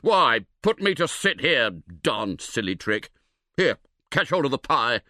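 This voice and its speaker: Man acting an indignant gentleman, animated. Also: mid-range voice, unhurried, dry recording, studio quality. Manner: exasperated, accusing. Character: indignant, grumpy gentleman in a comic mishap.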